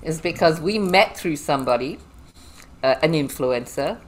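Chatty Zimbabwean-accented woman, lowish voice. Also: moderate pace, poor audio. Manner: chatty and animated, laughs often. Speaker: guest. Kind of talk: casual interview chat.

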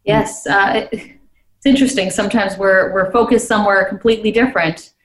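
A woman's voice: medium pitch, steady tone, fairly quick. Upbeat woman co-host in an echoey room. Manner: upbeat, chatty. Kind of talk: casual talk show chat.

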